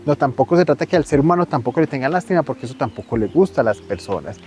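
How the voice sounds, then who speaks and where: A man's voice: medium pitch, animated, very fast, a little mellow. A man giving a conversational mental health talk, often acting out quoted voices. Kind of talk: casual advice talk on local TV.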